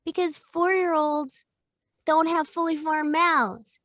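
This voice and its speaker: Middle-aged woman w a high voice, talks slow and playful, laughs a lot, dry close sound. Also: no room sound. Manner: expressive and playful, laughs often, thinks aloud with restarts. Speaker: podcast guest, voice actor and coach. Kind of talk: casual interview chat.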